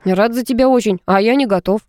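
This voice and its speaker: A woman's voice: a little high, fairly quick, a little mellow, no room sound, clean studio sound, lightly acted. A woman voicing a cocky, mocking young male student who teases and needles. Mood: smug. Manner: teasing, smug.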